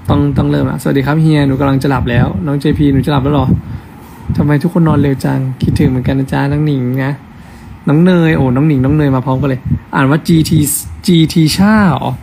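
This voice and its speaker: A man's voice: on the high side, gravelly, background noise. A young man on a casual live stream, chatting affectionately as he reads out fan comments. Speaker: actor hosting an Instagram live.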